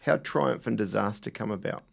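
A man's voice: fairly low pitch, normal speed, vocal fry. A man hosting a podcast interview, prompting his guest with brief questions. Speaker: podcast host.

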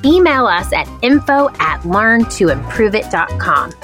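A woman's voice: mid-range voice, big pitch swings, unhurried, fairly bright tone, faint music behind. Enthusiastic woman podcast host. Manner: enthusiastic, encouraging. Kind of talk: podcast interview.

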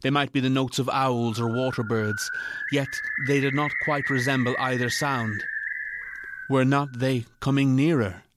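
A man narrating a classic ghost story from a script in a measured, literary storytelling manner. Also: mid-range voice, steady tone, very noisy.

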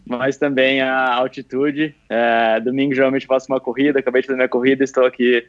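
Young male podcast guest, Brazilian Portuguese accent, medium pitch, relaxed conversational delivery, somewhat lo-fi home recording. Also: brisk. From Piracicaba, São Paulo state, Brazil. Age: young adult. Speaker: podcast guest, professional triathlete. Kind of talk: casual interview chat. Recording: slightly dull, lo-fi remote recording.

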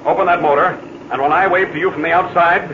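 Male actor: steady American captain in a 1940s radio adventure, rather high voice, quick orders, dull noisy recording. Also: close to an everyday voice. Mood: grave, encouraging. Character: steady, commanding adult male pilot captain. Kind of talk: 1940s radio drama acting.

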